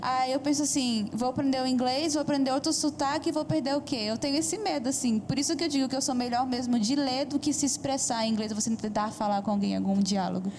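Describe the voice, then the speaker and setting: A woman's voice: high-pitched, fast talker, few pauses, a little mellow, slight background noise. A Brazilian woman, a student guest on a talk show, telling a casual story in a chatty, self-conscious way.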